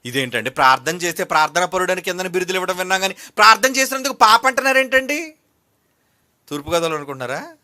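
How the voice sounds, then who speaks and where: A man's voice: high voice, lively intonation, fast talker, pushed and bright, dry recording, clean studio sound. A man with an Andhra Telugu accent preaching a sermon, scolding and mocking his listeners and mimicking the people he criticizes. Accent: Telugu regional, Andhra.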